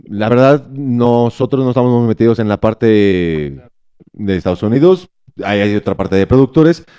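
A Mexican man in his thirties playing a calm, businesslike reality-show producer in a deadpan phone prank. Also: mid-range voice, moderate pace, clear, resonant tone, no room sound, muffled recording, close to an everyday voice. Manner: deadpan, matter-of-fact. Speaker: prank caller. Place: small indoor podcast studio. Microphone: close studio microphone.

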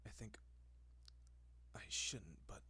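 A man playing a doting, possessive centuries-old vampire in an intimate roleplay audio, speaking in a genteel, coaxing manner with lingering pauses. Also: pushed and bright. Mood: tender, indulgent.

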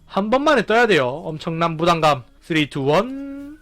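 High, lively Korean game commentator. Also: male voice, normal speed. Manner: animated, counting down and exclaiming loudly. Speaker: gaming streamer. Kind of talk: excited gameplay commentary.

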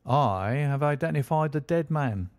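A brash, self-satisfied police inspector, put on by a man reading a storybook aloud, pushing his voice up high and boasting insistently. He talks with eager, lively bluster, as if he alone has cracked the case. The reading is recorded dry, with no room sound. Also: measured pace, no echo. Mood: boastful.

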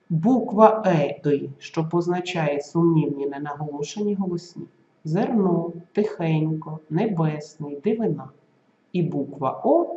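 Lively teacher voice in a roomy room. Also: mid-range voice. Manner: slow, careful enunciation of example sounds and words. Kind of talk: school video lesson. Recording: roomy, slightly dull recording.

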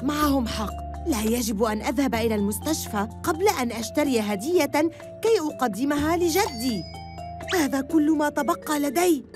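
A good-hearted young cartoon boy. The voice is high, polite and earnest. Children's music runs clearly behind it. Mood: worried. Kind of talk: children's cartoon dubbing in formal Arabic.

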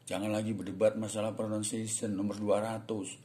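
A man's voice: on the low side, little pitch movement, fairly quick, dark tone. A middle-aged man, giving a casual, jokey spoken English lesson and mixing in example sentences. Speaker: English teacher.

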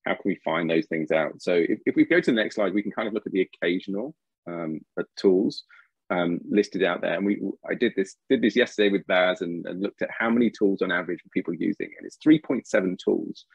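A low-voiced man with a husky grain moderates a webinar panel over a video call. He talks in a relaxed, conversational way as he moves through slides. The sound is dry and slightly muffled. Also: a little fast, no echo.

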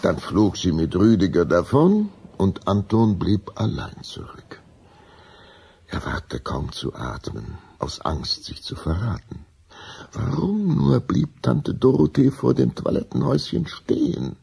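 Deep, gravelly male storyteller, hugely expressive. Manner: suspenseful, deliberate. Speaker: narrator. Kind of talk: dramatic scripted storytelling for a children's radio play.

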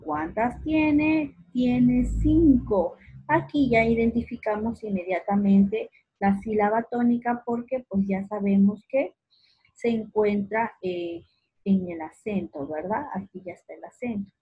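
Slow, breathy-voiced teacher woman. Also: fairly high pitch, narrow, tinny audio. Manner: slow, syllable-by-syllable teaching with drawn-out words; affectionate toward the child. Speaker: primary school teacher. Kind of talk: remote lesson for young children.

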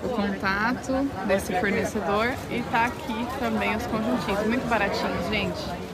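A woman's voice: mid-range voice, fairly even intonation, normal speed. A woman vlogging as she walks through a street market at night, chatting upbeat and asking vendors for prices. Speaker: fashion vlogger. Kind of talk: walking market tour vlog. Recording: loud crowd and music behind. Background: loud crowd and music.

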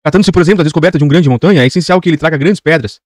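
A man's voice: a little high, rapid-fire, no room sound, studio quality, natural voice. A man voicing a self-important old geographer who lectures pedantically. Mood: lecturing. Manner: lecturing, pompous.

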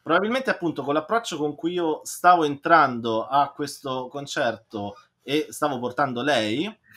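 A man's voice: fairly high pitch, animated, normal speed, fairly bright tone. A middle-aged man hosting a culture show over a video call, enthusiastic and emphatic. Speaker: host of a book and culture show. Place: indoors, home room with bookshelves. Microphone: webcam video call, at desk distance.

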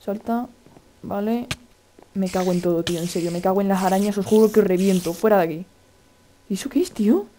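A man with a Spain Spanish accent giving casual, excitable gameplay commentary, chatty and full of exclamations. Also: sits high, a little fast, long pauses, slight background noise. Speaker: gaming video host.

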